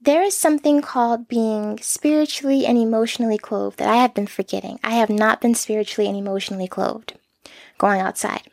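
A young woman hosting a solo podcast, talking in a soft, earnest, self-reflective way into a close mic. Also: on the high side, steady tone, a little fast, vocal fry, no echo. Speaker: podcast host.

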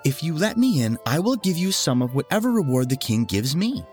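A man's voice: a little high, big pitch swings, fairly quick, a little mellow, faint music behind, voice pushed up. Man voicing a kind, earnest, lilting noblewoman. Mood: bargaining. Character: kind, earnest, poor noblewoman, humble and generous.

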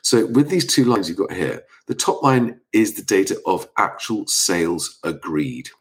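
A man hosting an informal live stream, speaking quietly at night into a close microphone so as not to wake sleeping children, with a slight cold. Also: mid-range voice. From Sussex, England.

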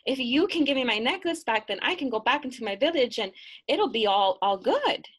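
A woman's voice: on the high side, sing-song, brisk, slightly rough, pitched above the performer's own voice. A woman voicing a frightened, eager young village girl in a told folk tale, earnest and pleading.

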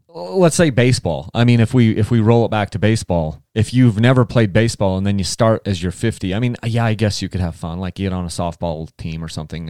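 A man's voice: low-pitched, darkish tone, clean tone, no room sound, clean studio sound. A man hosting a casual interview, who rambles and restarts his questions often. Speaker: podcast host.

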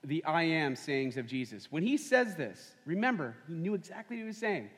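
A man's voice: a little high, very animated, normal speed, fairly bright tone. A man preaching a sermon as pastor, conversational and full of rhetorical questions. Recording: long hall reverb.

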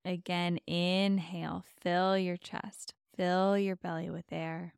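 A woman with a slightly low, smooth voice guides a mindfulness practice. She speaks softly and gently, leaving space between soothing instructions. The sound is clean and dry, close and clear. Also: little pitch movement, dry recording. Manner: gentle, slow, spacious instructions with long pauses. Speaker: meditation podcast host and guide. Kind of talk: soft, soothing guided meditation.

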